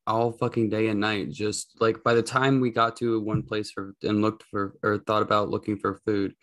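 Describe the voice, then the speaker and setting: A woman co-hosting a podcast, talking casually, slowly searching for her words. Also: extremely low pitch, level tone. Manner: slow, hesitant, searching for words. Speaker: podcast co-host. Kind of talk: casual chat. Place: room, sitting far from the mic.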